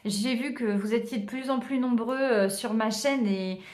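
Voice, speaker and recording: A woman giving a casual tarot card reading to her viewers, chatty and hesitant, often pausing with "euh". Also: fairly high pitch. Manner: chatty, warm thanks, many hesitations and small laughs. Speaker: tarot reader. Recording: roomy echo.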